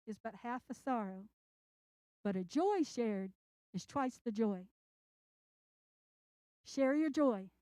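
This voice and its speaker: Speaking slowly and emphatically, an older children's book author addresses a library event audience with earnest encouragement. Her voice sits high and sounds warm, with no echo in the recording.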